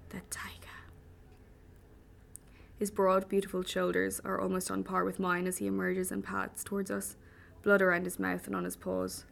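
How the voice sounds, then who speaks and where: A woman's voice: mid-range voice, completely flat delivery, moderate pace, gravelly, hardly any pauses. A woman narrating a first-person audiobook in a wry, vivid manner. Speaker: audiobook reader.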